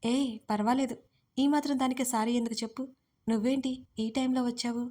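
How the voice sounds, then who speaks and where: A woman's voice: on the high side, fairly even intonation, fairly quick, mellow, natural voice. A woman voicing a shy, anxious young bride who talks in a flustered way, in a romance audio story. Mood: nervous.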